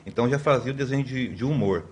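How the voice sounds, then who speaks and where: A man's voice: medium pitch, fast, darkish tone, slight background noise. A man in his fifties from Brazil, a podcast guest telling long stories in a rambling way, with many tag questions and restarts. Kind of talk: conversational storytelling.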